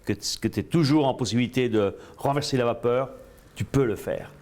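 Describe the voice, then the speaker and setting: A man's voice: mid-range voice, fairly quick. Man telling a story. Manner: animated, repeats himself, drops English phrases. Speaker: guest coach. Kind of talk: storytelling interview.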